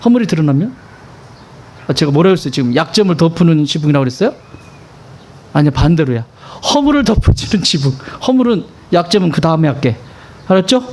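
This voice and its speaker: A man's voice: a little high, big pitch swings, fast talker, darkish tone. A male pastor preaching a sermon in a conversational way, asking his congregation questions and stressing points emphatically.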